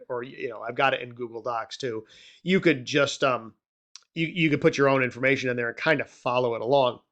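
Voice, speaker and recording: A man's voice: medium pitch, fairly bright tone. Casual man giving a reassuring tutorial. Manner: reassuring, conversational, often checking with "you know" and "right?". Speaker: amateur radio instructor and video host. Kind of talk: casual, unscripted tutorial talk.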